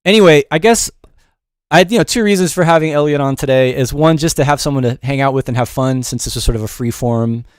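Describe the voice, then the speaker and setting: Brief: middle-aged male tutorial host, mid-range pitch, informal and rambling, self-deprecating, recorded dry. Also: fast talker, smooth, dry recording. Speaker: music production teacher and show host. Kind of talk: casual livestream tutorial.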